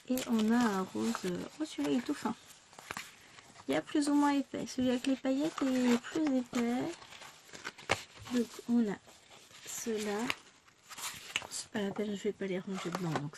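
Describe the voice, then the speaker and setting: Woman, chatty, self-mocking, slightly high voice, noisy home recording. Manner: chatty, self-mocking, exclaims over items. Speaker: vlogger showing a craft shopping haul. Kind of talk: casual haul chat.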